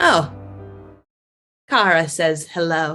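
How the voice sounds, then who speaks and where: A woman puts on a nasal character voice, pitched fairly low. Faint music plays in the background. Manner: unsettling, taunting.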